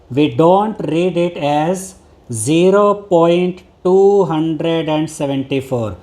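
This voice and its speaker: A man teaching a maths lesson, explaining step by step, repeating each point, and reading textbook lines slowly. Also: a little high, warm tone. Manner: mixes Hindi with English maths terms, reads English textbook lines slowly.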